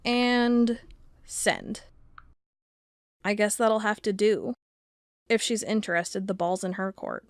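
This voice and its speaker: A woman playing an agitated, suspicious, sharp-tongued investigator thinking aloud in an audio drama monologue. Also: medium pitch, slow, long pauses, dry recording. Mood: determined, muttering. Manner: thinking aloud, emphatic, muttering to herself.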